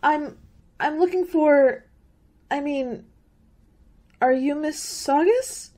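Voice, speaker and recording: A woman's voice: high voice, takes it slowly, mellow. A woman playing an anxious, timid young college student in a radio play, hesitant and easily startled. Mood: nervous.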